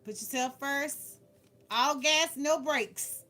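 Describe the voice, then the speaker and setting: Speaking slowly in a high-pitched voice, this tarot reader runs a relaxed livestream, handing out cheeky, straightforward advice and saying things twice to drive them home. Noticeable background noise and clicking come through.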